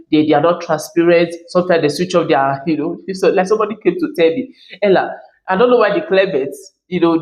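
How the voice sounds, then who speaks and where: A woman's voice: fairly low pitch, darkish tone. Emphatic woman in an echoey room. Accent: Nigerian. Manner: emphatic, keeps asking "you understand?". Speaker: commentary channel host. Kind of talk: reaction commentary monologue.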